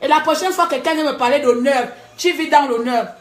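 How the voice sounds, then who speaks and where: In an echoey room at home, a woman vlogger delivers an angry rant to the camera in a high, brisk voice, scolding her critics and laughing in between jabs.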